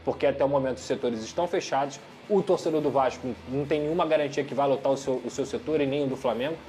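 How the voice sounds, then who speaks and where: Man, Brazilian Portuguese accent, sports commentator, animated opinionated talk, faint background ambience. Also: mid-range voice, fast talker, slight background noise. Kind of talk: studio sports debate.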